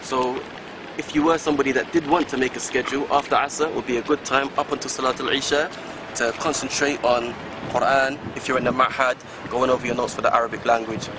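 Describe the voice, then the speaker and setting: A young man in a mid-range voice gives casual, friendly advice, dropping in "you know" often. Traffic noise is clear in the outdoor recording behind him. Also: medium pitch, fairly even intonation, a little fast. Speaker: student explaining daily routine. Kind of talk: informal explanation to viewers.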